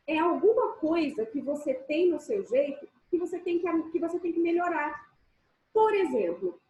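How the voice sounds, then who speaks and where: Brief: woman teacher, high-pitched, chatty, teasing her online class, echoey room. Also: a little mellow. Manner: chatty, joking, checks in with the class often.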